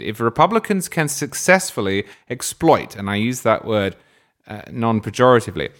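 A man on a political podcast builds his case slowly and deliberately, stressing key words. His voice sits at an ordinary middle pitch. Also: fairly bright tone. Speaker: podcast panelist. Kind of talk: political discussion.

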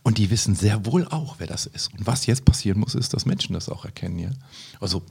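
A man's voice: lowish voice, expressive, fast, gravelly, a little mellow, breathy edge. A man in casual conversation about a Bible passage, asking his partner questions and reading verses aloud. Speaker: Bible study co-host.

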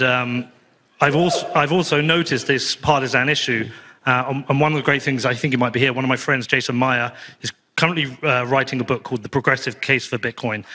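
A man's voice: medium pitch, pushed and bright. A man from England with an English accent, a podcast host reading sponsor ads and interviewing a guest at a conference. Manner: conversational, reads sponsor spots then asks questions. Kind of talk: ad reads and interview questions.

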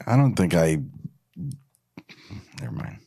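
A man's voice: low voice, wildly swooping pitch, takes it slowly, gravelly, dark tone, slightly rough, no room sound. A man co-hosting a script read-through with casual, joking banter. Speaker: co-host reading script parts.

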